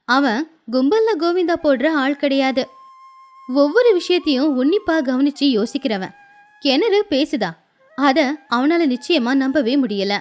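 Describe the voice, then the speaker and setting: Female bedtime-story narrator. High voice, expressive scripted read over a music bed.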